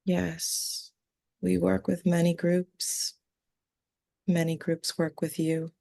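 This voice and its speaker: Woman channeling slow, creaky, solemn alien collective in trance. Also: on the low side, flat delivery, mellow. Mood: solemn, detached. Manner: halting short solemn phrases with long breaks, formal wording. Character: collective of six calm extraterrestrial beings channeled through a medium. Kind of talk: trance channeling, seance medium.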